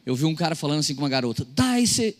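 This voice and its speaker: A young adult man from Brazil preaching in a church hall, his voice set fairly high for a man. He tells stories with acted-out quotes and swings between loud and soft, and a long reverb trails each phrase. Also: fairly even intonation, very fast. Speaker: pastor. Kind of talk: sermon.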